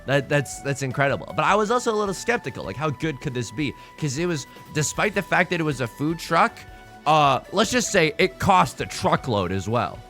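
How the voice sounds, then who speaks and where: A man streaming live, chatting casually with viewers in an animated, jokey way, often restarting and repeating his words. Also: fairly high pitch, a little fast, soft background music.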